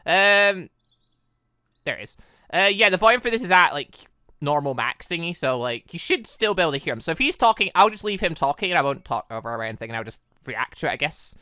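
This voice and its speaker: Animated man, bright and chatty. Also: a little high, a little fast, clean tone, dry recording, studio quality. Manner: chatty, rambling, exclamatory. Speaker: gaming video host. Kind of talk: casual let's play commentary.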